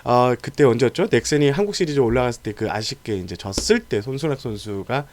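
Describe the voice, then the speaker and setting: A man hosting a sports talk show, speaking colloquially in a lively, casual way with frequent interjections. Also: mid-range voice, fast talker, slight background noise.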